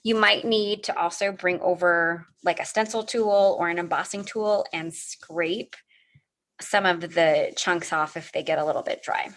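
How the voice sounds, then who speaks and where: A woman's voice: on the low side, fairly even intonation, a little slow, a bit bright. Chatty woman hosting a craft livestream. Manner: friendly, chatty, answers viewer comments as she works. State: a little sniffly from allergies. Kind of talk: live card-making demo, chatting with viewers.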